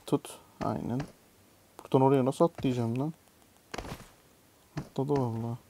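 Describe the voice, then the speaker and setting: A young man talks his way through a mobile game with a mellow, darker voice. He mostly mutters to himself at a middling pitch, then bursts into swearing and yelps when a jump fails. His voice has a faint noise under it. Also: steady tone, measured pace. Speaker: gaming YouTuber. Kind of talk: casual gameplay commentary.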